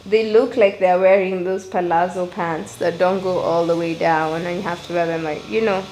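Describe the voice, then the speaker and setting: A young woman vlogging casually at home, rambling and thinking out loud as she talks. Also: lowish voice, fairly even intonation, moderate pace, a little hiss or hum, rough recording. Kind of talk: casual vlog chat. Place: at home, indoors.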